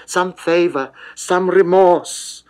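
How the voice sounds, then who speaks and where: A man's voice: sits high, slow pace, darkish tone, clear, resonant tone, voice pushed up. A man voicing a lovesick, seductive goddess who pleads and coaxes in theatrical classical verse. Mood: desperate pleading. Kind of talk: classical dramatic verse reading.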